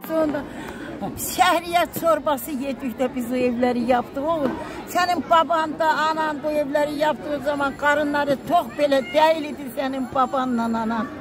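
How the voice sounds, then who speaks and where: A woman speaks at a fairly slow pace in a high voice with fairly even intonation. The sound is dry with no echo, and crowd noise can be heard in the background. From Erzurum, eastern Turkey. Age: 80s+. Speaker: protesting resident. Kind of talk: interview answer. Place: open country. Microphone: phone near.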